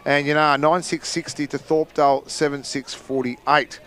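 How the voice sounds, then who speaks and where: A man with an Australian accent giving casual football analysis and reading out scores, chatty and quick to laugh at his own slips. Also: fairly high pitch, flat delivery, a bit bright. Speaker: expert commentator. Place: outdoor football ground.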